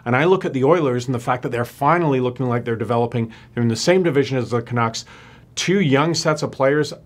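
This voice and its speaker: Male sports show host, forties, relaxed studio panel voice. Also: medium pitch, fast talker. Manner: conversational, leading questions. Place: studio with panel seated on stools.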